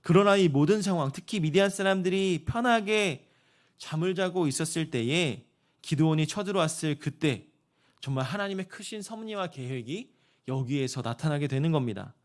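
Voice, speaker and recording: A young adult man giving a sermon to high school students, telling the story lively and acting out the soldiers' talk. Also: moderate pace. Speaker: youth pastor.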